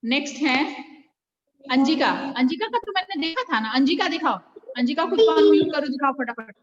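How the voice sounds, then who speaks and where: Indian woman teacher, high voice, patient corrections, dull video call sound. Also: lively intonation, a little fast. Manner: corrects pupils patiently, calls them by name. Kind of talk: online class checking homework.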